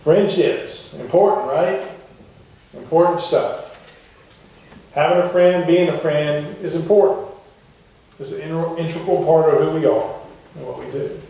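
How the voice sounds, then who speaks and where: A middle-aged man preaching a sermon to his congregation in a wooden church, talking in a relaxed, conversational way and asking the pews questions. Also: on the high side, a little slow, gravelly, pauses often. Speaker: pastor. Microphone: far camera at the back of the church. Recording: echoey church heard from far off.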